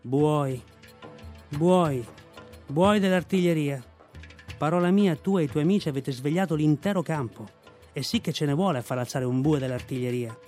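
A man voicing a gruff, bossy old army mule who scolds bluntly and briskly in a storybook reading. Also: fairly high pitch, a little mellow, faint music behind, lightly acted.

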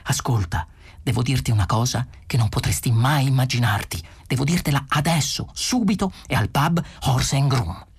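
A reader voicing a distracted alien traveler posing as a man, talking low and insistently in an audiobook. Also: lively intonation, moderate pace, husky. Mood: urgent. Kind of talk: audiobook character voice.

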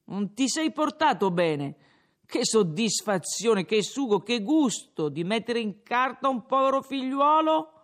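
A man voicing a drunk young peasant who rambles and boasts loudly in a tavern, his speech slurred. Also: extremely high pitch, sing-song, unhurried, voice pushed up, exaggerated voice. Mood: drunken boasting.

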